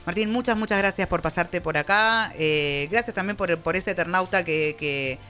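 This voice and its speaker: A woman's voice: lowish voice, normal speed, pushed and bright, faint music behind. An Argentine woman hosting a live radio show, talking in an informal, chatty way. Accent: Argentine Spanish. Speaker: radio host. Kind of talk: casual live radio chat. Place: radio studio.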